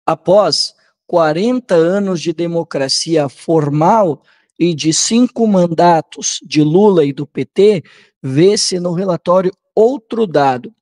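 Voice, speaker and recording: A Brazilian man hosting political commentary, reading aloud and commenting in a halting, conversational way that often seeks the listener's agreement. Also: fairly high pitch, a little mellow. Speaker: host of a political commentary channel.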